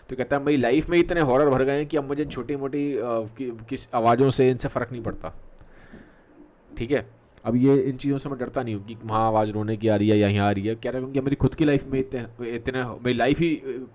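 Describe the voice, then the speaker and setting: A man's voice: medium pitch, a little mellow. A man teaching literature, explaining a play in casual Hindi mixed with English, full of fillers and check-ins. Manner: mixes Hindi with English terms, many fillers and "theek hai" checks; reads quoted verse slowly with halting restarts.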